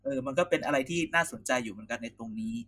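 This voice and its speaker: A man's voice: medium pitch, racing, fairly bright tone. A man co-hosting a casual political chat, teasing and slangy. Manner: teasing, rough slangy banter. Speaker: co-host.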